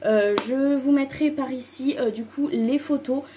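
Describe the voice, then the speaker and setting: A woman's voice: high voice, measured pace, dark tone. A woman beauty vlogger chatting casually to the camera, gushing and rambling with lots of repeated "very very" intensifiers. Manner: enthusiastic, piles up repeated intensifiers; loose and rambling, many fillers. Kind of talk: casual chatty haul video.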